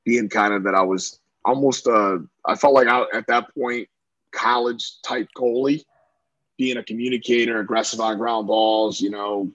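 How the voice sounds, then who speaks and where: Man from central new york, lacrosse coach, husky voice, dry sound. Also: fairly low pitch, steady tone, moderate pace, fairly bright tone, no echo, muffled recording. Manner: talkative, many fillers and restarts. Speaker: lacrosse coach, interview guest. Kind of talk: casual interview chat.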